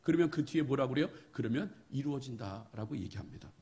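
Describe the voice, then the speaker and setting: A middle-aged male pastor preaches a sermon full of folksy stories, acting out snippets of dialogue and building to emphatic, forceful points. He talks fast in an expressive, mid-range voice.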